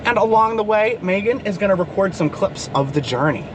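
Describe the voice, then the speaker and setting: A man's voice: high voice, expressive, fairly quick, noisy background. A young man hosting a casual farm vlog, upbeat and chatty, sounding congested and nasal from a cold. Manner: upbeat, chatty, explains as he goes. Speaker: vlog host, stable manager. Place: in a truck and outdoors at a farm.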